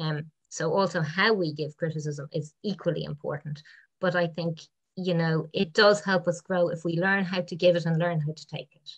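Against a quiet background, a woman speaks at a moderate pace, somewhat breathy and with monotone, flat intonation, her loudness swinging widely. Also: fairly low pitch for a woman. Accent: Irish. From Ireland. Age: 50s. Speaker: film producer; panellist. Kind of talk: panel discussion. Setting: video call. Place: home room. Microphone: video call.

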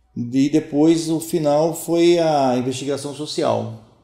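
Over a quiet background with audible room echo, a man with a dark, mellow tone speaks at a very slow pace. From Santa Bárbara d'Oeste, interior of São Paulo state, Brazil; São Paulo state, Brazil. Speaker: retired municipal guard inspector; interview guest. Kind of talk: casual interview. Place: studio.

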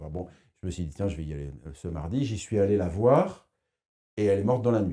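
Against a quiet background, a man speaks at a moderate pace in a dark, mellow tone with a fairly low pitch. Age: 60s. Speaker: priest and newsletter editor; priest, newsletter editor. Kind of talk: panel discussion. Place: studio. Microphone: lapel.

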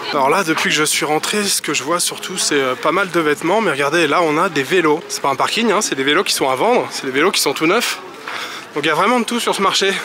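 A man's high voice races along very fast with ordinary pitch movement while clear background noise fills the clip. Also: dry sound with no echo. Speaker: travel vlogger. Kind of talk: travel vlog narration. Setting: outdoors. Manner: animated. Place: market. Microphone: phone near.

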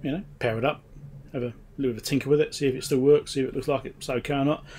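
Over light background noise, a man talks at a very fast pace in a somewhat breathy voice. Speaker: electronics repair streamer. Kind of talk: casual livestream chat. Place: workshop.

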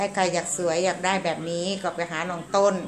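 Over light background noise, a woman talks in a monotone with flat intonation. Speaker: customer reviewing a beauty salon. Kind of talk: casual vlog chat. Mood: pleased, relaxed. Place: home room. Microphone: phone near.

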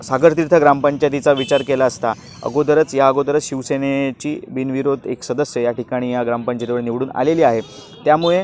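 Light background noise sits under a man's fairly even intonation, the sound dry with no echo. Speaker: news reporter. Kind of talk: news report to camera. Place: open country. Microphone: handheld.

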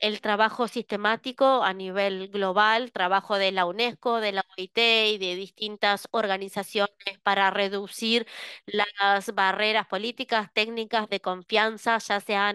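Over a quiet background, a woman speaks fairly slowly at a medium pitch with fairly even intonation, the sound dry with no echo. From Finland. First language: Finnish (speaking Spanish). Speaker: vocational training expert; presenter. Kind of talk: webinar presentation; answering audience questions. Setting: video call. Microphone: headset.

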